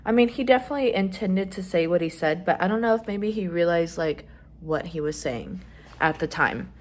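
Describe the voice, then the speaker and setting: A young trans man chatting casually in a vlog, rambling with lots of fillers and some swearing, his voice rising when he gets excited. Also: a little fast. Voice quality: voice still fairly high, rising when excited. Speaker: vlogger.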